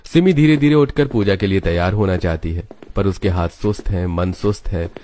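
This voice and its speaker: Low-voiced male story narrator. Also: normal speed. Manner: steady, storytelling.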